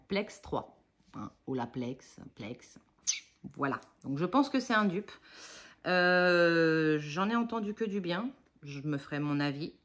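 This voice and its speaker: A woman in her forties talks through her shopping haul at home, chatty and rambling, full of fillers and self-mocking asides. Her voice sits a little low. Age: 40s. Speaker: budget haul vlogger. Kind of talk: casual haul vlog.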